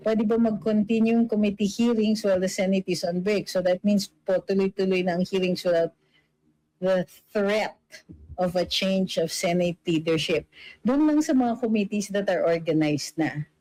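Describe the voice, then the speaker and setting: A middle-aged woman with a mellow, warm tone talks through the news in a loose, chatty way. She reads out viewer comments, often pausing on fillers, and slips into English phrases now and then. The sound is dry and close. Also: medium pitch, dry recording, poor audio. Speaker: political vlogger.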